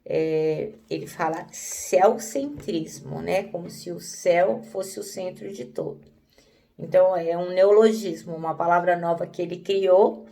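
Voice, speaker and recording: A woman teaching a devotional Bible lesson in a middle-pitched, gravelly voice. She speaks conversationally, with frequent tag questions. She sits a bit back from the microphone. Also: warm tone, recorded from a distance.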